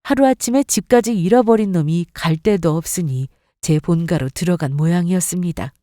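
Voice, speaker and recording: A woman's voice: lowish voice, moderate pace, warm tone, no echo, clean studio sound. A woman narrating a dramatized first-person revenge story in a scornful, emphatic manner.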